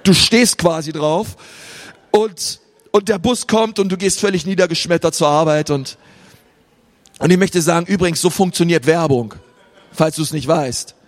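A man's voice: on the high side, unhurried. A man preaching a sermon in a casual, conversational way, acting out the thoughts of his listeners. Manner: casual, conversational, acts out inner voices. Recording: reverberant hall.

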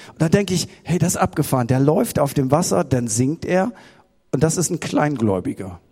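A pastor from Germany preaching a sermon, retelling a story with lively acted-out voices. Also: male voice, fairly high pitch, creaky, slightly rough. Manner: animated storytelling, acting out the disciples' voices. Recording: hall with long reverb.

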